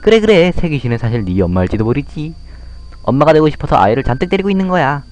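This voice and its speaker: A man's voice: on the high side, big pitch swings, fast, darkish tone, voice pushed up. Man playing jeering schoolyard bully kids. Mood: taunting. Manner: sneering, jeering. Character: mean schoolyard bullies, young boys, taunting.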